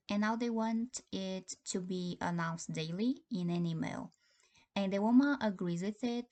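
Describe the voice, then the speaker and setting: Young woman, lowish voice, calm steady exam answer. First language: Portuguese. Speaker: test taker giving sample answers. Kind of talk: timed spoken exam answer.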